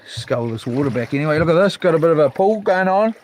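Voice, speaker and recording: A man's voice: fairly high pitch, lively intonation, fast, darkish tone. Broad Kiwi man, laid-back and slangy. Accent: New Zealand. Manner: laid-back, slangy, talking to himself and viewers. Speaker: fishing livestreamer. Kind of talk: casual rambling livestream chat. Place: outdoors on a small boat on the water. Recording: noisy outdoor boat recording, water and clicks.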